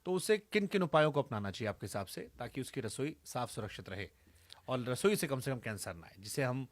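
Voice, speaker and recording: A man's voice: medium pitch, lively intonation, brisk, no room sound. A man hosting an interview, asking long questions that set up each topic. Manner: asks long, framing questions. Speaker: interviewer host.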